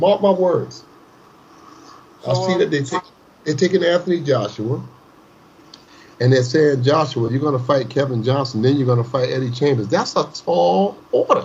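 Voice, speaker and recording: Somewhat breathy and fairly high-pitched, a man speaks at a moderate pace with lively intonation and long, frequent pauses. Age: 60s. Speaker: boxing trainer. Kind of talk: casual interview. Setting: online call.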